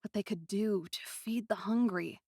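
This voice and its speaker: A woman narrating first-person fiction dramatically, with a deliberate, poetic, often hushed delivery. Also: mid-range voice, slightly rough, no echo, clean studio sound. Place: close, dry recording.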